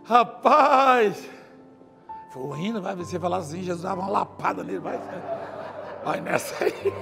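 A middle-aged man preaching a chatty, animated sermon in a large church, acting out scenes and laughing often. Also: high-pitched, moderate pace, vocal fry. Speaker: apostle, preacher. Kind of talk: conversational sermon. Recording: reverberant church hall with faint music.

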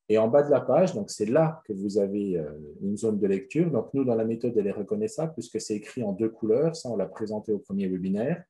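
A man's voice: fairly low pitch, warm tone. A man presenting a webinar on a reading method, explaining in a loose, hesitant way with many fillers and restarts.

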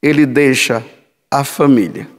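A man in his sixties, a priest giving a storytelling homily in a large church sanctuary on a headset mic, gesturing broadly as he speaks. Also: medium pitch. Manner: slow, storytelling, sweeping hand gestures. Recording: long hall reverb.

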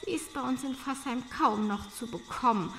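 A woman's voice: sits high, normal speed, sharp tone. A woman playing a vain, gushing countess in an audio drama, affected, effusive and disdainful. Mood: haughty disdain. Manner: affected, effusive, with tinkling social laughs. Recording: long reverb, faint noisy ambience.

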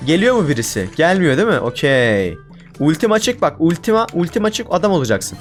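Lively ranting young gamer guy. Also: fairly high pitch, fairly quick, faint music behind. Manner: exasperated, ranting at teammates. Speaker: gaming YouTuber. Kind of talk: casual gameplay commentary.

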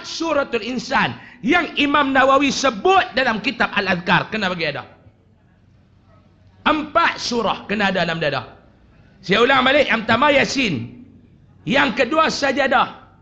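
A man, an animated religious teacher joking and shouting for emphasis at a desk microphone in a prayer hall. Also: very high-pitched, dull audio. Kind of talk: religious lecture to a congregation. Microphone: desk microphone on a stand.

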